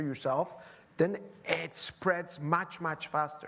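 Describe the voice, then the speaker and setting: On a very clean recording with a silent background, a man with a Spanish accent speaks at a fairly high pitch. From Mexico City, Mexico. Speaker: business executive. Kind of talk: interview conversation.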